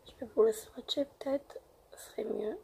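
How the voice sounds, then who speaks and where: A young woman with a cold-roughened voice, hesitantly reviewing beauty products in a casual home vlog with many fillers. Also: fairly high pitch, normal speed, mellow, slight background noise, low-quality recording. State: hoarse from a cold. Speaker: beauty vlogger.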